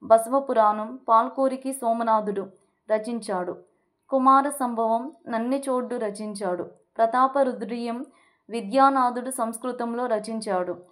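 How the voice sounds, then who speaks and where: A woman tutoring for exams, going over revision points and repeating each one like a drill. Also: a little high. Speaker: exam prep tutor. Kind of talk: exam revision lesson.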